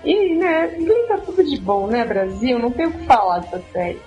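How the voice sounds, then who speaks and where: An excitable woman chatting on a casual podcast, her voice sitting a little high. She laughs often and acts out scenes as she retells them. The sound is dull and lo-fi, with faint music underneath. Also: moderate pace. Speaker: podcast co-host. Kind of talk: casual chat.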